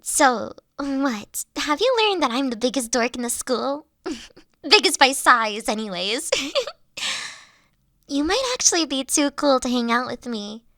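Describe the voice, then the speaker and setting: Woman voicing a bashful nerdy dragon girl, high-pitched. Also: expressive, sharp tone, dry recording, clean studio sound, heavily acted. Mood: self-deprecating, teasing. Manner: bashful, earnest, halting, giggly. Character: shy, nerdy, self-deprecating big young female dragon student. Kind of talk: intimate one-sided character audio roleplay.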